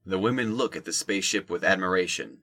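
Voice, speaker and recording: A man reads scripted narration for an audio drama. His voice is low and bright, with clear forward projection as he describes the action. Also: fast talker.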